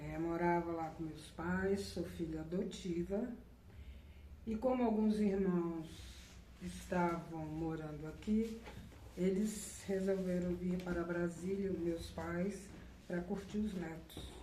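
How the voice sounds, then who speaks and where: A woman with a fairly low pitch talks at a very slow pace with fairly even intonation and long, frequent pauses, against noticeable background noise and audible room echo. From Brazil, Volta Redonda, Rio de Janeiro state. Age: 60s. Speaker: blind woman sharing her life story. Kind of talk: interview testimony.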